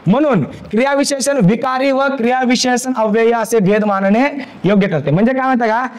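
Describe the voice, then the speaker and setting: Man, very high pitch, grammar teacher, questions the class, repeats terms. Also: creaky. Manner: asks the class questions and answers them himself; repeats key terms and example sentences.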